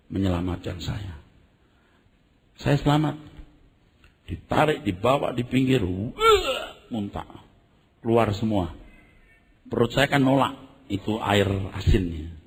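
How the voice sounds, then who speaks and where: A man's voice: lowish voice, measured pace, long pauses, long reverb tail. A man preaching a sermon, telling vivid stories and acting out screams and sounds, often addressing the congregation directly. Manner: animated storytelling, acts out screams and sounds. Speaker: pastor.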